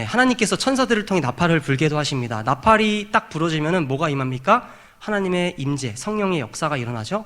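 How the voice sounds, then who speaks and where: Middle-aged male pastor, high voice with wide swings, animated sermon in a church. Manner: animated preaching that builds to raised emphatic peaks; acts out trumpet blasts and shouts. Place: church sanctuary.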